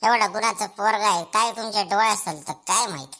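Woman playing a sharp, nagging old village grandmother. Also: medium pitch, fast. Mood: scolding. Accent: rural Maharashtrian Marathi. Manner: nagging, protective. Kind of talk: Marathi comedy cartoon dialogue.

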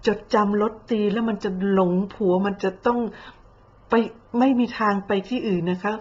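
A woman's voice: medium pitch, normal speed, highs cut off. A woman giving mocking, blunt commentary full of coarse slang, with a sarcastic edge. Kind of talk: sarcastic social media commentary.

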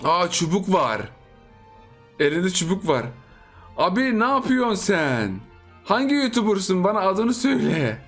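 A man's voice: high voice, very animated, measured pace, a bit bright, faint music behind. A young man giving playful gameplay commentary for his channel, joking, teasing opponents and laughing often. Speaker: gaming YouTuber.

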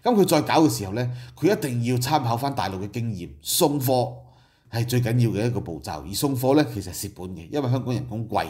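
A middle-aged man with a Hong Kong Cantonese accent talks through company figures in a relaxed commentary style. His voice sits at an ordinary pitch and has a warm, mellow tone. He adds asides and rhetorical questions as he explains. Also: fast. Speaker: political commentary host. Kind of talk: casual commentary.

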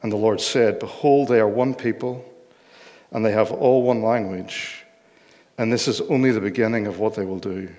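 An older man with a Northern Irish accent preaching a sermon in a measured, explanatory way from a church stage. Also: lowish voice, steady tone, darkish tone. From Northern Ireland. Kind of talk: sermon with Bible reading. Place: church hall, speaking from lectern on stage. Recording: long hall reverb.

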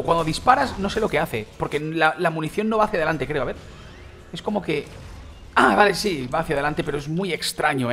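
A young man with a Spain Spanish accent doing excitable gameplay commentary, swearing and exclaiming loudly. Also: a little high, a little hiss or hum. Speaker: gaming youtuber.

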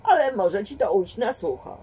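A woman voicing a gruff middle-aged man posing as a police inspector, with a curt, dry, officious manner. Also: mid-range voice, sing-song, moderate pace, dark tone. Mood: smooth. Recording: distant home mic.

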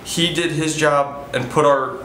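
A man's voice: a little high, steady tone, unhurried, a bit bright, reverberant, slight background noise, poor audio. A man in his thirties, a baseball team manager, answering post-game questions in an earnest way with many fillers and restarts. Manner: earnest, repeats himself, frequent fillers. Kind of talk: post-game press interview. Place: indoor press room before a sponsor backdrop.

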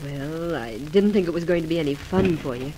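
A woman's voice: low-pitched, brisk, lightly acted. A woman playing a frank, loyal best friend in an old radio soap, plain-spoken and encouraging, on a noisy old recording. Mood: sympathetic. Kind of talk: 1940s radio soap acting.

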